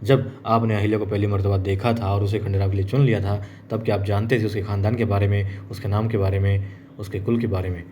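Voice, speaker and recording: A man's voice: on the low side, little pitch movement, a little fast, dark tone, slight background noise, lightly acted. A man voicing a stern noblewoman matriarch who questions a marriage, in an insistent, questioning tone, while retelling a drama.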